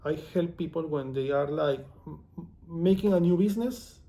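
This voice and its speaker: A man with a Venezuelan Spanish accent talks casually to camera, wandering from topic to topic with a self-deprecating humor. His voice sits a little high for a man, with a gravelly fry and a dark, mellow tone. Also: normal speed. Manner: chatty, digressive, self-deprecating. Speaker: author and vlogger.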